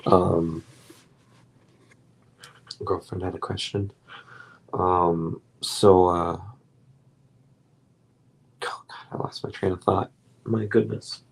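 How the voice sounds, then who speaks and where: Young male stream host, deep voice, casual late-night rambling full of ums, slightly hoarse. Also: fairly even intonation, slow, pauses often, low-quality recording. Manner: rambling, many ums and restarts. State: voice getting hoarse. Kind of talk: relaxed late-night collector chat.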